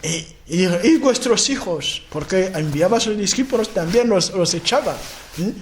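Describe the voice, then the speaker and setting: A man from Africa delivers a sermon in a high, light voice. He talks in halting bursts, repeating and restarting words. When he builds into chanted declarations, his pitch rises even further. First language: a language of his homeland. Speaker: preacher.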